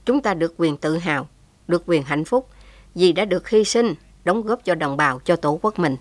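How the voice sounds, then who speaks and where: A woman voicing a calm, dignified old father. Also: on the low side, normal speed, dry recording, lightly acted. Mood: gentle. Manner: gentle, steady, fatherly.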